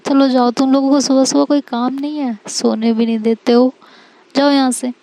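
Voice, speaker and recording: A woman's voice: high voice, flat delivery, normal speed, dark tone, dry recording. A woman reading the part of an exasperated young bride who scolds her teasing friends in a storybook love story.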